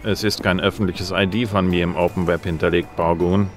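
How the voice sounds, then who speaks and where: Guy as a deep-voiced sci-fi bounty hunter, dry noir loner, music playing underneath. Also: flat delivery, fairly quick, lightly acted. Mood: dry, self-assured. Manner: laconic, dry, noir-style. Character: male bounty hunter, dry, gruff, self-assured loner. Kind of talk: science fiction radio play, narration and dialogue.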